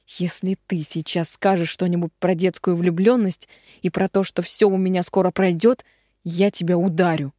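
A woman voicing a fiery young woman who pleads, shouts and turns coldly angry, read in an audiobook. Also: lowish voice, steady tone, normal speed, dry recording, clean studio sound, lightly acted. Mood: cold anger. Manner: pleading then shouting, sharp and cold.

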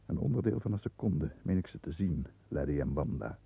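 A man acting a stern, proud middle-aged lawyer in a 1960s radio play, speaking with formal, measured diction. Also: rumbling low, lively intonation, vocal fry, dark tone, husky, heavily acted. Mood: brooding, uneasy. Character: stern, proud male lawyer protecting the family name. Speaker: actor in a radio drama. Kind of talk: 1960s Dutch radio play acting, first-person narration and dialogue. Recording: muffled, thin 1960s radio recording.

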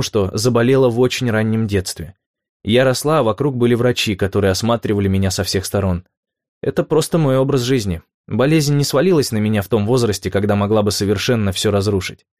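A man reading the first-person words of an upbeat, resilient woman in her early thirties, with a calm, matter-of-fact delivery. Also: medium pitch, no room sound, clean studio sound, natural voice.

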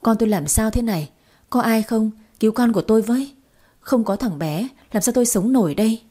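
A woman reads a devoted young mother in a sad audio story, pleading through tears. Her voice is warm and breathy, her talk imploring. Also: fairly high pitch, lively intonation, brisk. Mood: desperate. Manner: pleading and tearful. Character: desperate, devoted young mother of a sick boy.

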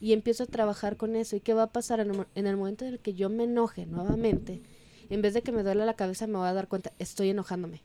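A woman's voice: mid-range voice, steady tone, fast talker, dark tone, a little hiss or hum. A Mexican woman from Durango, chatting on a podcast as a therapist, explaining ideas conversationally and acting out imagined dialogue. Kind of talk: casual explanatory chat. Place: studio in Guadalajara.

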